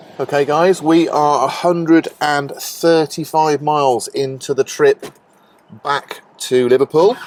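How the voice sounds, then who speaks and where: Noticeable background noise sits behind a man speaking at a fairly slow pace. His pitch is fairly high and his intonation fairly even. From Norfolk, England. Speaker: vlogger, car channel host. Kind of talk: casual vlog commentary. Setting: in a car, driving. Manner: chatty, with fillers.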